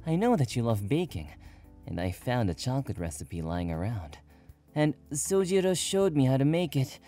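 A woman's voice: rumbling low, sing-song, warm tone, faint music behind, pitched above the performer's own voice. A woman voicing a playful, affectionate young man who teases and jokes. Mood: proud. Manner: teasing, drawn-out playful delivery.

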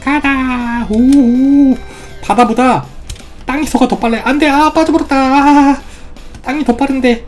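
A woman's voice: sits high, steady tone, unhurried, a little mellow, faint music behind. A woman commenting playfully on a game she is playing, with exclamations and silly sound effects. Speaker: gaming YouTuber. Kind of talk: game let's play commentary.

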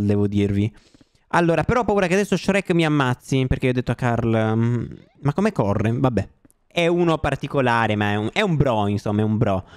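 Jumpy gaming guy, slightly high voice. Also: clear, resonant tone, no room sound, clean studio sound. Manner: jumpy, screams when scared, slangy. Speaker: gaming YouTuber. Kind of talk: let's play commentary.

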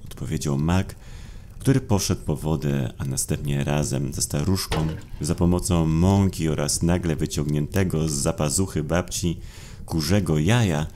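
A man narrating a dark audio drama in a brooding, dramatic way with deliberate pauses. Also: rumbling low, slight background noise. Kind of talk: dramatic scripted horror narration.

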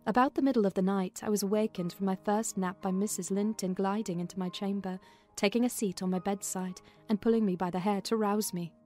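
A woman reading a classic novel as a dramatized audiobook, in a measured, expressive storytelling manner. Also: mid-range voice, soft background music. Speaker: audiobook narrator.

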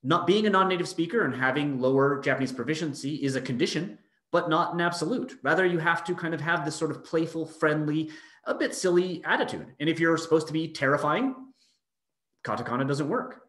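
A man's voice: fairly high pitch, brisk, a bit bright. A man giving an explanatory academic lecture over a video call, posing rhetorical questions as he goes. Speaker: university lecturer. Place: indoor room on a video call. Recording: roomy, echoey video-call audio.

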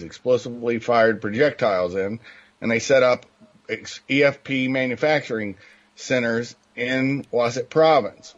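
Blunt guest guy on talk radio, mid voice, sounds muffled and lo-fi. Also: mid-range voice. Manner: blunt, matter-of-fact. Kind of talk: political talk radio chat. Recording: dull lo-fi line.

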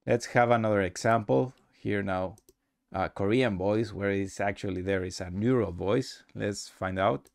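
Low-voiced man, halting tutorial narrator. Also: gravelly, no room sound, studio quality. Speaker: host demonstrating his software. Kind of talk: casual software tutorial narration.

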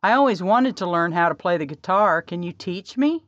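A woman's voice: lowish voice, animated, normal speed, a bit bright, dry recording, dull audio. A woman voicing an eager, chatty young woman who loves books.

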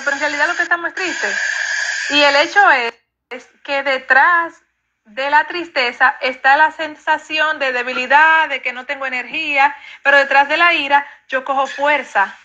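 A woman therapist calmly explaining emotions and grief in an interview, in a reassuring, explanatory way. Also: high voice, normal speed, highs cut off.

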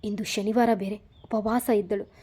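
A woman voicing a caring, worried old grandmother who pleads gently. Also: mid-range voice, steady tone, a little slow, breathy edge. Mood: gently explaining. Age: older.

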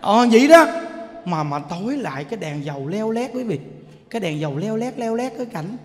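A monk delivers a sermon in an animated storytelling style, often repeating words and speaking straight to his listeners. His voice is fairly high for a man. A long hall reverb trails after his words. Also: fairly quick. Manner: animated storytelling with many repetitions, addressing listeners directly. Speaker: Buddhist monk teacher.

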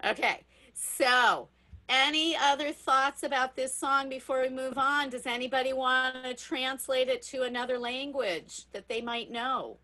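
A middle-aged woman leading a teacher workshop over a video call, chatty and unhurried, often laughing and asking okay. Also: high-pitched, pushed and bright, low-quality recording. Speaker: music workshop leader for teachers.

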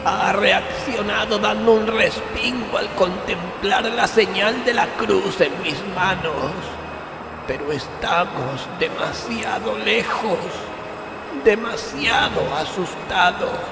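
A man's voice: high-pitched, takes it slowly, creaky, full character voice. A man playing an ailing, frightened old bar owner in a horror audio drama. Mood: dread. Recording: loud storm noise behind the voice.

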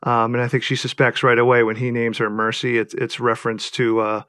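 A man's voice: mid-range voice, level tone, a little fast, fairly bright tone, no room sound, studio quality. A man who is an author and a guest on the show, answering thoughtfully and hesitantly, with frequent fillers. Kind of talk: interview answers.

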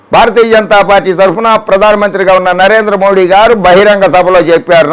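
A man with a high-pitched voice delivers heated political commentary. He sounds sarcastic and scolding, and he talks straight at his opponent as if face to face. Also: clean tone, rough recording.

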